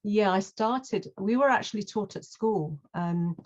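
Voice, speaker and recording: A woman's voice: medium pitch, measured pace, highs cut off. A British woman in her fifties, a jewellery designer chatting as a guest in an interview, with many ums and restarts. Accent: British English. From UK, London. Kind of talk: casual interview chat.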